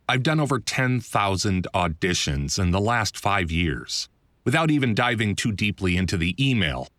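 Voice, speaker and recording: A man's voice: on the low side, fairly bright tone, no room sound, clean studio sound. A man reading his own first-person book as scripted narration, in a wry, self-deprecating, conversational manner.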